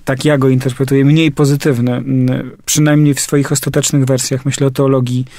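A man's voice: mid-range voice, level tone, brisk, warm tone. A man from Poland hosting an interview, asking thoughtful questions and adding his own commentary with qualifying phrases. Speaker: interviewer host.

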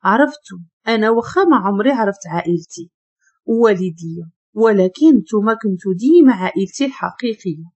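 A woman with a Moroccan accent voicing a frail, dying orphan girl who speaks softly and faintly. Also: mid-range voice, expressive, fairly quick, slightly rough, dull audio. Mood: weak, tender.

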